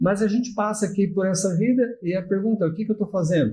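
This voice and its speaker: This man speaks at a moderate pace with a dark, mellow tone. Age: 60s. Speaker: church member. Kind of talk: Bible study panel discussion. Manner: halting.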